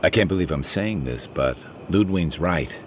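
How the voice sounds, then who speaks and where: Game companion: grim, weary fighter, very low voice, measured, faint noise behind. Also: male voice, animated. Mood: grim resolve. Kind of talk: video game character acting.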